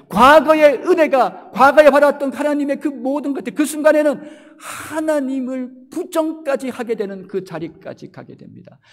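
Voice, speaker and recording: A moderate pace of speech over noticeable background noise. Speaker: pastor. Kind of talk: sermon. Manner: animated.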